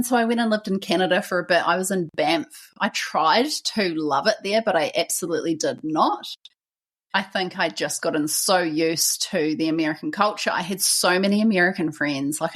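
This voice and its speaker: Her voice is lowish: a young podcast host from New Zealand, speaking with a New Zealand accent, recounts her own story chattily and keeps adding "like" and "right?".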